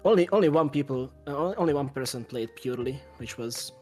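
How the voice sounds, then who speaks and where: A young-sounding man who is a native Hungarian speaker talks in English with a soft, hesitant delivery, often restarting his sentences. He answers interview questions over a call while faint music plays underneath. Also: medium pitch, lively intonation, fast talker. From Slovakia. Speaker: guest, tournament champion.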